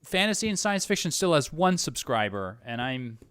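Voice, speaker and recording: A man's voice: a little high, sing-song, moderate pace, fairly bright tone, clean tone, no room sound. A man hosting a casual interview, speaking earnestly and full of appreciation. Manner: earnest, effusive praise of guest. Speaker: show host.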